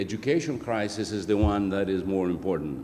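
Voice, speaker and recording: With a Greek accent, a man talks at a moderate pace with ordinary pitch variation, and audible room echo surrounds his voice. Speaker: education policy official. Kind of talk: conference panel talk. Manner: halting.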